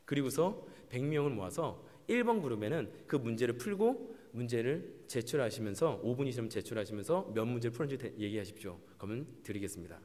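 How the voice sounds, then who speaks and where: A man preaching a sermon as pastor, animated, acting out quoted voices with big swings between high and low. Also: brisk, few pauses, in a large hall.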